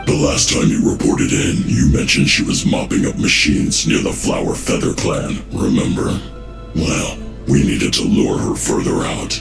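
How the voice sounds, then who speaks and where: A man's voice: expressive, measured pace, full character voice. A man voicing a smug, menacing villain agent in a video game, condescending and full of mock sympathy. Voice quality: very deep, gravelly. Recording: roomy echo, music behind.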